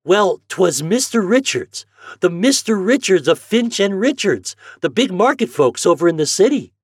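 A man's voice: sits high, very animated, moderate pace, husky, no room sound, studio quality, pitched above the performer's own voice, exaggerated voice. A man voicing an eager, jolly farm boy in a storybook, speaking in rustic old-time country dialect. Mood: excited, proud. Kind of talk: storybook character voice.

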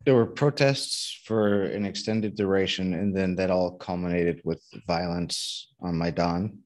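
A man's voice: deep voice, steady tone, a little slow, darkish tone. A man hosting an interview, asking loose, rambling questions that he corrects as he goes. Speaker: podcast host.

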